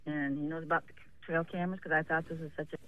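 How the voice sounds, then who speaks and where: A woman's voice: low-pitched, level tone, quick pace. Woman caller on a breaking-up phone line. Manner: hesitant, filler-heavy start. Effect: phone line breaking up, cutting out. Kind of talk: call-in radio chat. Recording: tinny dry phone line.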